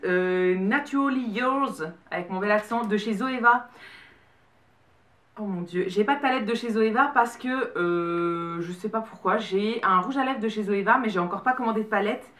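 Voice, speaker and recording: A young French woman in her twenties chatting excitedly as she unboxes a gift parcel for her vlog. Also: mid-range voice, recorded from a distance. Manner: chatty and excitable, quick bursts of delight. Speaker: beauty vlogger. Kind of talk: casual unboxing chat. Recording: roomy sound from away from the mic.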